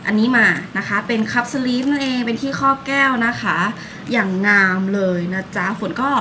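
A young adult woman vlogger chats politely and gushes like a fan in a casual vlog, filming on a phone held at arm's length as she walks a city street and sits in a café. Her voice is a little high at a moderate pace, with a noisy background.

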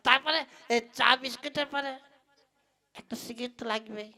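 A woman's voice: a little high, unhurried, pushed and bright, heavily acted. A woman playing a cheeky, greedy male tea seller who stalls and teases in an exaggerated comic puppet play. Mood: teasing, stalling. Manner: exaggerated, teasing, long-winded.

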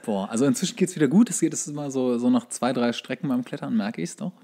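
A man's voice: mid-range voice, quick pace, dark tone. A man co-hosts a podcast in a jokey, colloquial, rambling way. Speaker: podcast co-host. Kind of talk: casual comedic podcast chat.

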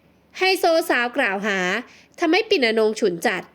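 A woman narrating an audio novel in an even, polite storytelling manner. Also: on the high side, moderate pace.

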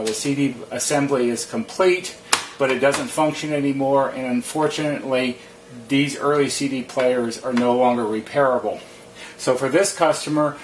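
A man's voice: medium pitch, slight background noise, low-quality recording. A man who works as a service technician, giving an informal, plain-spoken product demonstration and explaining step by step.

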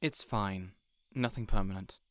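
A man playing a weary, reasonable young supervillain boss in a scripted audio roleplay, hesitant yet measured and exasperated. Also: fairly low pitch, dry recording, lightly acted. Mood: subdued, doubtful.

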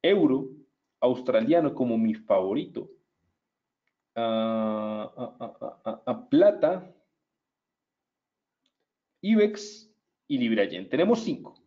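A man's voice: medium pitch, expressive, takes it slowly, long pauses, lo-fi sound. A man presenting a live market analysis webinar, chatty and upbeat, talking straight to his viewers.

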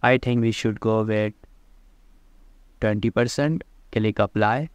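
A man giving plain step-by-step instructions over a screen recording of a software tutorial. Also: on the low side, clear, resonant tone, no echo, lo-fi sound. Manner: plain step-by-step instructions, slightly halting phrasing. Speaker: tutorial presenter.

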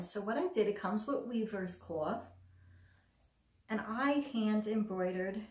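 A woman's voice: medium pitch, a little mellow, echoey room. A middle-aged woman chatting casually and enthusiastically as she shows her cross stitch projects, with a self-deprecating humor. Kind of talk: casual show-and-tell chat. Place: home craft room.

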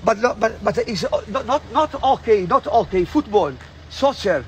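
A man, vlogging outdoors on a city street, agitated and swearing constantly, repeating himself with bursts of shouting. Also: high-pitched, animated, a little slow, a little hiss or hum. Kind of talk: ranting street vlog.

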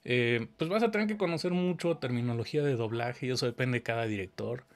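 A man's voice: mid-range voice, quick pace. Man explaining dubbing. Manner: patient, explanatory, asks checking questions. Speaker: audio engineering teacher. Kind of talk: casual conversation explaining dubbing work.

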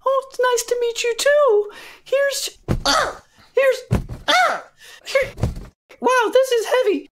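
A woman voicing a timid, eager young shop helper who stammers breathlessly in a squeaky voice. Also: animated, slow pace, long pauses, a little hiss or hum, exaggerated voice.

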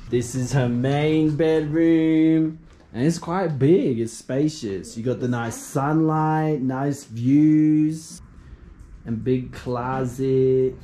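A man's voice: medium pitch, drawn-out words, warm tone, a little hiss or hum. A man giving a casual, chatty vlog tour of a small apartment, tossing in Spanish words, filmed on a handheld camera. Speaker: travel vlogger. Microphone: handheld action camera.

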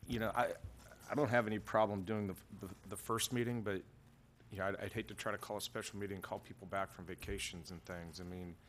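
Deep-voiced American councilman. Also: steady tone, quick pace, fairly bright tone, a little hiss or hum. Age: middle-aged. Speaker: council member. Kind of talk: informal meeting discussion. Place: council chamber. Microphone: gooseneck desk microphone.

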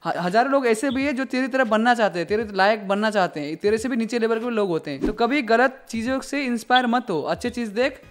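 High-pitched young Indian man, casual gamer chat. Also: a little fast, hardly any pauses. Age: 20s. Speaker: gaming YouTuber hosting. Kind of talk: casual prank-call chat. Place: small gaming room indoors. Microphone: boom-arm studio microphone up close.

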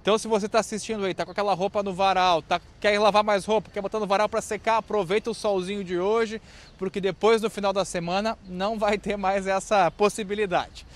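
Man, field reporter, higher voice, upbeat and chatty, live outdoor news, handheld mic. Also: steady tone, a little fast. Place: outdoors on a city street.

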